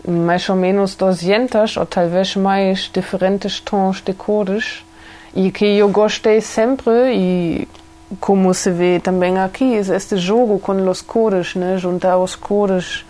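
German woman, halting and searching. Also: medium pitch, fairly even intonation, mellow. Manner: hesitant, searching for words. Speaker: interviewee, craftswoman. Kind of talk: casual interview.

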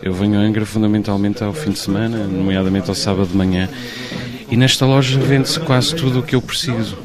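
Low-voiced man among a crowd. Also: fairly even intonation, brisk. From Terceira, Azores. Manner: thoughtful, some hesitations. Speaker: writer, interviewee. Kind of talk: reflective interview talk. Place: shop and street in town.

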